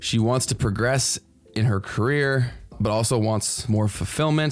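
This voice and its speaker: The pitch moves in an ordinary way. Noticeable background noise runs underneath. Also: man. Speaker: social media marketing educator. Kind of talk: tutorial. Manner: fast.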